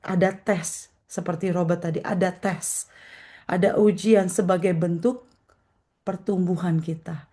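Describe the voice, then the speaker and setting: A woman's voice: on the low side, steady tone, unhurried, long pauses, warm tone. A woman evangelist giving a morning prayer sermon, earnest and repeating phrases for emphasis, addressing her listeners as brothers and sisters. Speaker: evangelist preacher.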